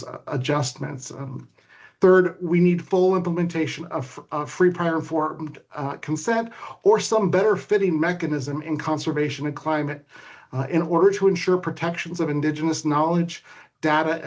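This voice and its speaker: A man giving prepared remarks as a panelist on a webinar. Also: on the high side.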